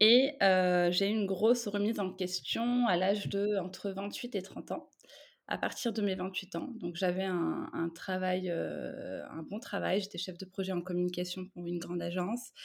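A fairly slow-paced woman with a normal speaking voice and ordinary pitch variation. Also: medium pitch for a woman. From Paris, France. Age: 30s. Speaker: digital communication freelancer and traveller. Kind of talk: interview.

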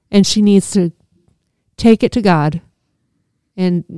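A woman with a fairly low pitch and a dark, mellow tone speaks at a fairly slow pace, recorded dry and close with no echo. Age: 30s. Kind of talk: casual chat.

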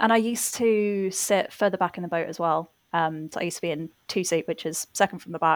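The speaker talks at a fairly quick pace with an English accent and fairly even intonation. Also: woman, fairly low pitch for a woman, hardly any pauses. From England. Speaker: guest, pick'em league champion. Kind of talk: casual interview. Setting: remote call from the UK.

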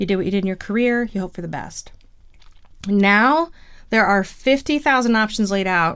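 A woman's voice at medium pitch and moderate pace, with lively intonation, on a very clean recording with a silent background. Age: 40s. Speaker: clinical social worker. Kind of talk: interview. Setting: studio.

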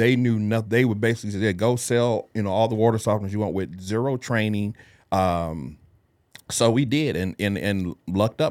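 Using an ordinary speaking voice, a man with an American accent speaks at a fairly quick pace. His pitch is medium, with ordinary pitch variation. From Detroit, Michigan. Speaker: water treatment business owner. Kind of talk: interview. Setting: studio.

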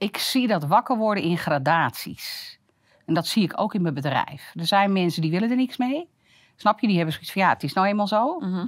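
At a fairly quick pace, a woman with an unremarkable speaking voice and medium pitch talks with lively intonation in a very clean recording with a silent background. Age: 50s. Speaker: business owner and coach. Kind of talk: casual interview.

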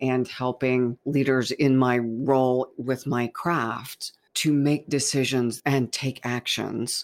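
A woman's very deep, low pitch in a flat monotone, on a very clean recording with a silent background. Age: 50s. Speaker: podcast host. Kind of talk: casual chat.

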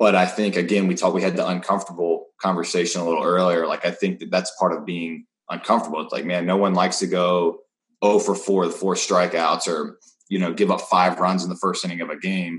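This man has a very deep, low voice and an American accent. He talks at a very fast pace in a monotone, flat intonation. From North Carolina. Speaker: strength coach. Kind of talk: interview.

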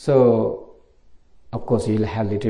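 A man's somewhat breathy, dark and mellow voice at medium pitch, fairly slow, with ordinary pitch variation and audible room echo. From Bangladesh. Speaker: Buddhist monk and meditation teacher. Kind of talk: dharma talk. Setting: meditation center retreat.

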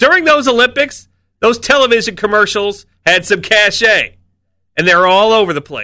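The voice is raised and projected, with a bright, sharp tone. It moves at a fairly quick pace through very wide pitch swings. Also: man. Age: 50s. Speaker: sports radio host. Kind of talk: radio monologue.

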